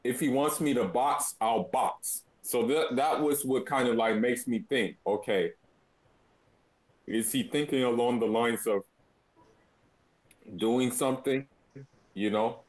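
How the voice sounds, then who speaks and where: A man co-hosting a casual live chat, his voice muffled and low as if heard through a wall from a Bluetooth headset mic, often restarting his phrases. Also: takes it slowly, pauses often. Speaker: co-host. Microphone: Bluetooth headphones mic.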